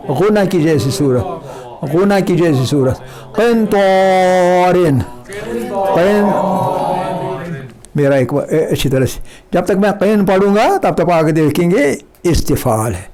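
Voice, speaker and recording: A middle-aged man with an Urdu accent teaching Quran recitation, repeating each word slowly and stretching its sounds for his students. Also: fairly high pitch, animated, a crowd in the background. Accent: South Asian Urdu. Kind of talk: slow recitation lesson with drilled repetitions.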